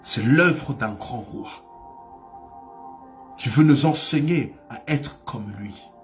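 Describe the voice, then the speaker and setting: A male pastor delivers a fervent sermon in a middle-pitched voice, building from calm teaching to loud, urgent cries. He leans on repetition to drive points home. Faint music plays beneath his voice. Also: takes it slowly. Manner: impassioned preaching, rising to cries; repeats phrases for emphasis.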